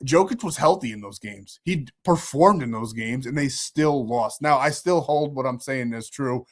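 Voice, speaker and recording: A man's voice: mid-range voice, moderate pace. A man hosting a sports betting channel, talking through his picks in a rambling, confident way while sick and losing his voice. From New York. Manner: rambling, confident, self-correcting. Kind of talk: casual betting picks talk.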